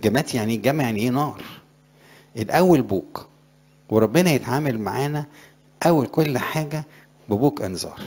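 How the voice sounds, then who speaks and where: A man's voice: mid-range voice, lively intonation, fast, long pauses, a little mellow, husky. A middle-aged man, a priest with an Egyptian Arabic accent, giving a conversational sermon to young graduates and rising in emphasis on scripture verses.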